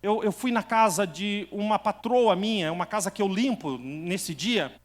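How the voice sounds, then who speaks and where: Man, pastor, sermon, high voice, calls on the congregation, long hall reverb. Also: moderate pace. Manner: storytelling, challenges the congregation to respond.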